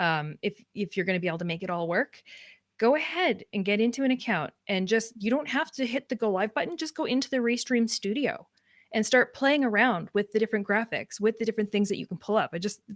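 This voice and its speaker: An animated tone and lively intonation come at a very fast pace in a dry, close sound with no echo. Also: woman, fairly high pitch for a woman. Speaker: video marketing live streamer. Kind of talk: live stream chat. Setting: live stream.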